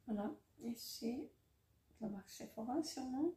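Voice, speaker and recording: A woman's voice: on the high side, lively intonation, normal speed, mellow. A middle-aged woman vlogger unboxing beauty products in a casual, hesitant way, with many fillers and self-corrections. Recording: roomy echo, faint noise.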